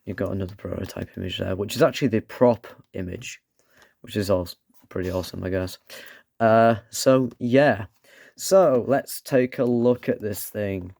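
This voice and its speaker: A man reviewing a toy with a croaky voice from a cold, rambling and dropping sarcastic asides. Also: on the low side, moderate pace, a little mellow, dry recording, clean studio sound. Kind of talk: casual product review.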